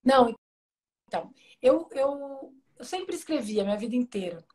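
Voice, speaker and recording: A woman's voice: fairly high pitch, moderate pace. A Brazilian woman in her forties, a guest talking candidly and with humor in a casual interview. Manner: candid, humorous, lively storytelling. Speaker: guest, author.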